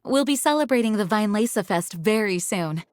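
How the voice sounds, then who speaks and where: A woman playing the calm, authoritative acting leader of a knightly order, speaking formally, in a game. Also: medium pitch, normal speed, close to an everyday voice. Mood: warm. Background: game music.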